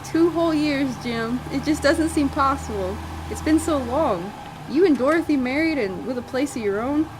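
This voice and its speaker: A woman's voice: high voice, lively intonation, normal speed. A woman playing a polite, secretly scheming visitor in an amateur radio-style mystery. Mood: cheerful. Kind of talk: amateur radio-play acting. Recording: faint background noise.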